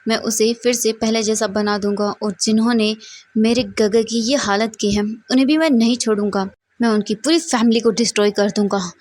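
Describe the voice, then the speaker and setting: A woman's voice: a little high, steady tone, normal speed, darkish tone, close to an everyday voice. A woman voicing a powerful young mafia boss who speaks in a commanding, threatening way.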